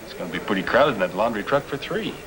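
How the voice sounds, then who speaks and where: Tough scheming convict, prison inmate slang, old 50s movie, real noisy soundtrack. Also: male voice, on the low side, sing-song, quick pace. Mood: conspiratorial, urgent. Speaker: actor in a prison drama. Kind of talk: 1950s black-and-white screen drama acting.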